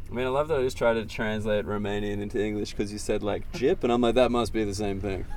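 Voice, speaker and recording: In an Australian accent, a man with a fairly low pitch talks at a very fast pace with hardly any pauses and fairly even intonation. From Australia, Sydney suburbs. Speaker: guest. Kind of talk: casual chat.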